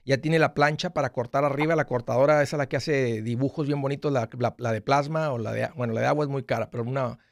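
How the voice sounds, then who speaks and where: A man's voice: mid-range voice, fairly even intonation, fast talker, creaky, hardly any pauses, no echo. A man in his forties hosting a money advice call-in show from a small studio, talking directly and often restarting his words. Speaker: radio show host giving money advice. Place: small studio with acoustic foam wall. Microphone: studio mic with headphones.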